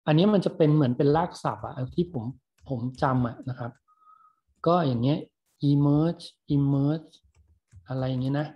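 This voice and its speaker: A man's voice: on the high side, breathy edge, highs cut off. A male university lecturer in a recorded online lecture, patiently explaining English words in Thai between clips.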